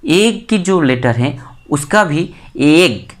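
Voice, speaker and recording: A woman from India teaching English grammar in Hindi, saying each example word slowly and more than once to stress it. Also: sits low, lively intonation. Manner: repeats example words slowly and stresses them. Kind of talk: explanatory lesson in Hindi.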